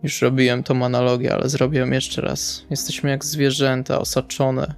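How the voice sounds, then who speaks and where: Man playing a creaky, brooding vampire. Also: medium pitch, little pitch movement, moderate pace, soft background music, close to an everyday voice. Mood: grim, resolute. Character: Salvi, brooding, fatalistic male vampire. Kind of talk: in-character role-play dialogue.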